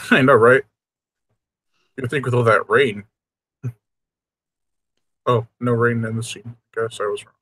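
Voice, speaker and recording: A man's voice: mid-range voice, fairly even intonation, takes it slowly, pauses often, a bit bright, a little hiss or hum. A man hosting a casual movie riff, joking and laughing often as he talks over the film. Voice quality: husky. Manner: jokey, laughs often, quotes lines in silly voices. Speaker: host.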